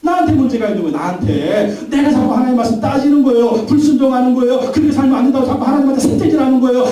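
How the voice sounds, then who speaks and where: Pastor, male, high-pitched and emphatic, preaching a sermon; recorded from afar in a booming church hall. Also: mellow. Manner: emphatic preaching with call-and-response. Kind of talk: Sunday sermon. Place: large church sanctuary. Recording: very echoey church hall, mic at a distance.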